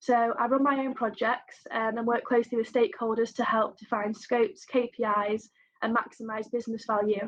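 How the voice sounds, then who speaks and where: This woman speaks fairly quickly with an English accent. Her fairly high voice holds a fairly even intonation. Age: 20s. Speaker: software developer apprentice. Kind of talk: presentation.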